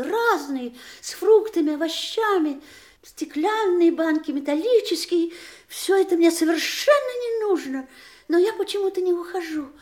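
An actress playing a troubled, polite woman in an audio drama, speaking in a deliberate, expressive storytelling manner. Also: very high voice. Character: troubled, polite woman recounting a frightening dream. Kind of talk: audio stage drama, theatrical monologue.

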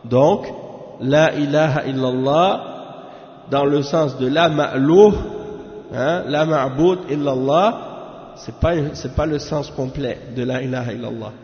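Slow-talking man teaching in an echoey hall. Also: mid-range voice, a little mellow. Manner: slow, repeats terms, checks with "hein?" and "ok?". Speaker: religious teacher. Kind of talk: explanatory religious lesson. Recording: roomy long reverb, dull lo-fi sound.

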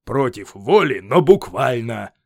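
A man's voice: medium pitch, big pitch swings, measured pace, darkish tone, no room sound. A man reading an audiobook, voicing a blunt, stubborn Roman general in his fifties with a scornful, unbending manner. The recording is dry and close. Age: 50s.

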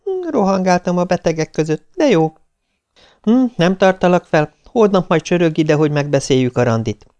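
A man voicing a friendly, chatty young woman doctor, raising his pitch for her. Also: big pitch swings, a little mellow, dull audio. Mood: teasing.

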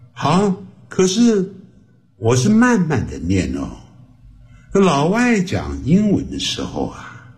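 A man's voice: lowish voice, a little mellow. A man teaching English to beginners on the radio, drawing words out and repeating them for practice. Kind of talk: slow beginner language lesson. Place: radio studio.

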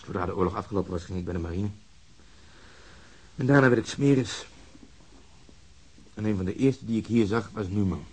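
An actor playing a blunt, bitter police officer in a radio drama, with a husky, emphatic delivery. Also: male voice, on the low side, a little fast, pauses often, a little mellow, low-quality recording. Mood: bitter recollection.

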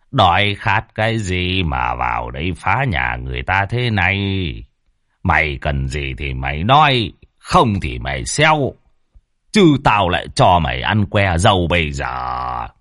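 A man voicing a stern old village exorcist who talks slowly and gruffly. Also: very deep voice, big pitch swings, fairly bright tone, no room sound, clean studio sound, voice pushed down, full character voice. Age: older. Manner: slow, gruff, commanding.

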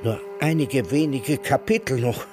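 An actor in a German radio drama playing an elderly Jewish camp survivor, bitter and menacing, speaking with biting, theatrical sarcasm. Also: male voice, mid-range voice, lively intonation, moderate pace, music in the background, natural voice. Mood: grim, sardonic. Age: older.

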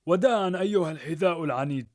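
A man voicing a stingy, middle-aged male perfume seller who shouts in fury, in a told story. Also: fairly high pitch, very fast, pitched above the performer's own voice, lightly acted. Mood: dismissive. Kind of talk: storybook narration.

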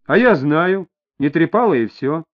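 A man's voice: a little high, animated, measured pace. Man voicing a snarling young thug. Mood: sullen, cornered. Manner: rude, snarling street slang. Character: hostile young male petty thug under interrogation. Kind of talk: audiobook character voice. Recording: dull lo-fi audio.

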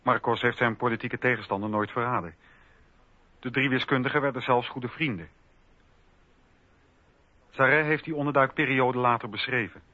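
A man narrating a historical radio drama from a script in a measured, factual way. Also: medium pitch, pushed and bright, no echo. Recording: slightly dull radio recording.

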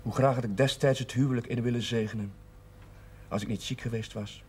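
An actor playing an earnest, devout young Catholic curate in a television drama, measured and formal in speech. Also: male voice, mid-range voice, steady tone, a little mellow, slight background noise, close to an everyday voice. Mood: earnest, restrained. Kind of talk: 1970s Dutch television drama acting.

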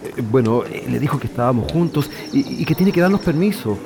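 A man's voice: mid-range voice, expressive, a little fast, gravelly, noisy background. A man playing an earnest young man in a radio drama who talks hesitantly with many fillers.

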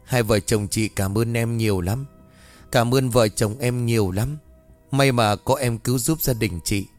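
A man's voice: mid-range voice, a little slow, darkish tone, soft background music, lightly acted. A man doing a desperate pleading village wife. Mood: worried. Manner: pleading, tearful.

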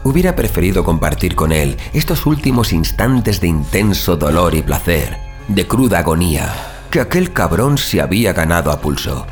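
A very low, expressive male voice acted by a man tells a horror tale as a sadistic young vigilante. He savors his words with sardonic, dark glee and a literary turn, over clear background music. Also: moderate pace. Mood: dark relish. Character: small, scrawny young immortal vigilante killer, sadistic, darkly gleeful. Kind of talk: scripted first-person horror audio drama narration.

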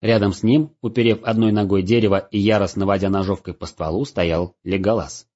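A man narrating an audiobook in a lively, expressive reading style. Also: fairly low pitch, fairly quick. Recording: dull lo-fi recording.

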